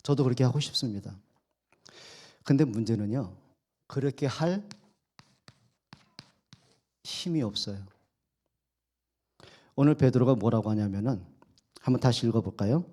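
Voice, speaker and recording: Korean pastor preaching, mellow voice. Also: male voice, mid-range voice, unhurried, pauses often. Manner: asks the congregation questions and answers them himself; acts out quoted speech in his own voice. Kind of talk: sermon. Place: church sanctuary.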